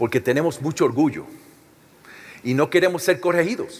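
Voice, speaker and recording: A man speaks with a non-native accent. His intonation is lively. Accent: non-native Spanish, improving fluency. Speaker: preacher. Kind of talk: sermon.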